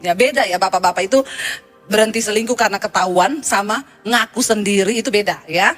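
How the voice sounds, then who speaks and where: A woman's voice: medium pitch, a little fast, fairly bright tone, faint music behind. A woman pastor preaching a sermon, animatedly retelling congregants' testimonies.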